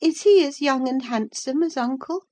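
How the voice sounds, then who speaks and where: Frail young boy for a storybook, high childish pitch, plaintive and questioning, woman doing it. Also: moderate pace, a little mellow. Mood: curious.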